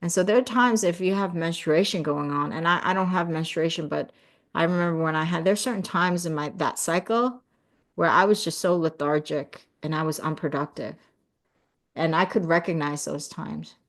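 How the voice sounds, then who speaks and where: A woman's voice: low voice, normal speed. A middle-aged woman, born in South Korea and raised in the US, hosts a live stream in casual, earnest chat. She reads out viewer comments and often adds "you know" and "right?". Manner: lively when thanking viewers.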